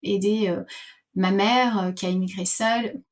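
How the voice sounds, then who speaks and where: A woman's voice: medium pitch, fairly even intonation, a little slow. A middle-aged woman from Portugal answering interview questions thoughtfully, with many fillers and restarts. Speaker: podcast guest.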